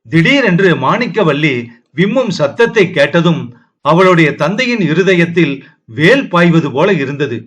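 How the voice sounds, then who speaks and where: A man narrating a historical novel as an audio book, in a steady, dramatic storytelling way. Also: fairly high pitch, a little slow.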